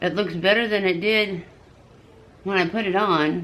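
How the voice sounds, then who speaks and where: Speech comes at a fairly slow pace with ordinary pitch variation. Audible room echo surrounds it. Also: woman. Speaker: beauty vlogger. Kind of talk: makeup review vlog. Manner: casual.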